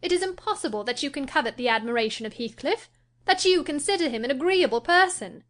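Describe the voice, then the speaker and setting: A woman putting on a proud, haughty young lady who speaks in a high voice. Her pitch sweeps widely as she scolds with scorn and force. This is a storybook character in an audiobook. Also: animated, quick pace. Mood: scornful. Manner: scornful and emphatic.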